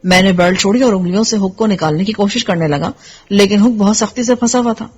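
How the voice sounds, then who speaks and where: A woman narrating an action novel in the first person, in a steady storytelling manner. Her voice is husky and breathy at a mid pitch, with a soft music bed faintly underneath. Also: highs cut off.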